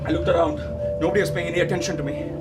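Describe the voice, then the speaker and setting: A man's voice: fairly high pitch, steady tone, rapid-fire, gravelly, distant mic, loud music behind the voice. A man playing a rebellious, yearning young Indian Muslim student in a theatrical, declamatory dramatic monologue. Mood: defiant. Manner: theatrical, declamatory, swinging from hushed to shouting.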